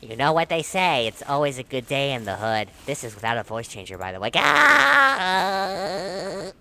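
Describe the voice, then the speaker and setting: A man on helium doing a squeaky kid voice. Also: big pitch swings, a little slow, gravelly, pushed and bright, slight background noise, heavily acted, rough recording. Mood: goofy. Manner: joking, mock-childish bragging. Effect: helium-altered squeaky voice. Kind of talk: casual podcast banter.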